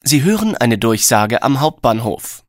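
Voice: medium pitch, very animated, a little slow, dry recording. Test narrator, medium register, formal and neutral scripted instructions, very dry recording. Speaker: exam narrator.

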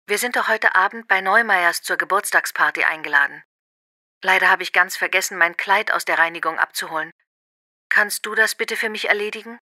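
A woman playing an affectionate partner leaving a clearly articulated, acted voicemail message. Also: mid-range voice, bright, forceful tone, no echo, clean studio sound.

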